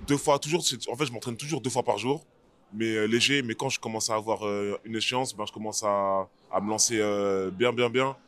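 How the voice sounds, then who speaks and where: A man's voice: fairly low pitch, steady tone, fairly quick, fairly bright tone. A man who is an MMA fighter, answering interview questions casually and hesitantly, with many fillers and restarts. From France.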